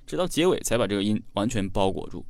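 A man's voice: lowish voice, animated, fast, no echo. A man teaching a singing lesson, explaining technique step by step with frequent filler sounds. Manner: talks learners through each line step by step, with frequent fillers. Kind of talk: vocal coaching lesson.

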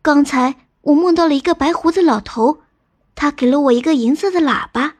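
A woman voicing a caring, steady elder sister in a storybook folk tale, leading with an encouraging manner. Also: high voice, normal speed, lightly acted. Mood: eager. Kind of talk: storybook narration.

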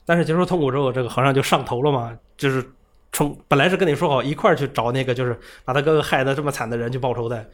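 A man in a relaxed podcast-style conversation who talks at a breakneck speed, piling up fillers as he retells side quests. His voice sits at an ordinary middle pitch. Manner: rapid, rambling retelling with many fillers, acts out quoted characters. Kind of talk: casual chat about a video game.

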